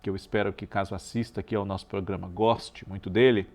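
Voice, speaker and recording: A man's voice: on the low side, steady tone, fast, darkish tone. A man with a Brazilian Portuguese accent hosting a tribute show, talking conversationally to viewers and often adding chatty tag questions. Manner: chatty, frequent tag questions seeking agreement. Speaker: show host.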